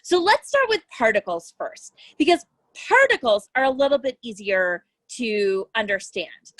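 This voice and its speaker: A woman's voice: high-pitched, a bit bright, no room sound, poor audio. A woman science educator presenting a lesson for young children, explaining things in simple terms as she reads and demonstrates.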